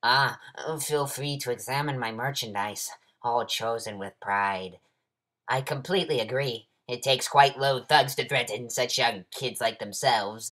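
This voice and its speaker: A man's voice: mid-range voice, measured pace, a bit bright, natural voice. A man voicing a polite lizard shopkeeper with a formal, genteel, salesmanlike manner. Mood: polite, obliging. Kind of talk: character voice audition.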